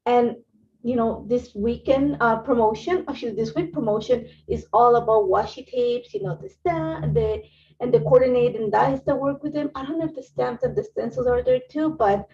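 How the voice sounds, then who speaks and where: A woman's voice: on the high side, normal speed, dark tone, slight background noise. A middle-aged woman from Ecuador, hosting a casual craft livestream from her home craft room, chatting, rambling and greeting viewers by name. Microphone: phone and laptop livestream setup. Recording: dull lo-fi livestream audio.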